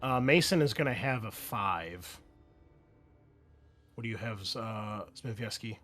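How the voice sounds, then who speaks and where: A man narrating a tabletop game as game master, talking to his players in a halting, conversational way. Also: lowish voice, animated, fairly bright tone. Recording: music behind the voice. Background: background music.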